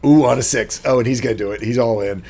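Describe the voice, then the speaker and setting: A man's voice: medium pitch, fast, darkish tone. A man acting as game master, chatting casually at a tabletop role-playing session.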